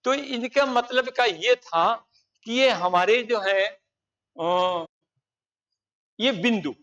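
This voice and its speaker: A man's voice: high-pitched, slow, fairly bright tone, clear, resonant tone, distant mic, highs cut off. A man teaching a grammar lesson for exam preparation, explaining at length and pointing out examples on the board.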